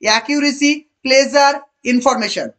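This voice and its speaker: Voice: sits high, a bit bright. A teacher running an online exam-prep lesson, asking the class questions, repeating key answers and praising students by name. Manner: reads English options slowly.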